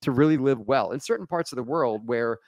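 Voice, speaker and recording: A man hosting a podcast, talking to viewers and his guest in an energetic, casual way with quick restarts. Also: medium pitch, no room sound, studio quality. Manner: energetic, talks fast with restarts and asides to viewers. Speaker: podcast host. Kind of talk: casual podcast monologue and interview.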